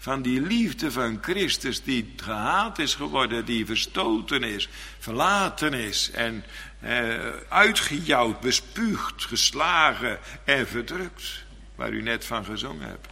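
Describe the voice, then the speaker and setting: A man's voice: medium pitch, big pitch swings, slow pace, gravelly, pushed and bright, breathy edge. A male minister delivering an earnest, repetitive Reformed sermon in a church. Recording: long church reverb.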